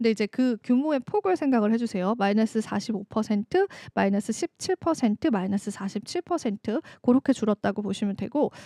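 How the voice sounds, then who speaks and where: Her fairly high voice has a dark, mellow tone and lively intonation as a woman speaks at a fairly quick pace, with a quiet background and a dry, close sound with no echo. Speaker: crypto market show host. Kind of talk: market news briefing. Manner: fast.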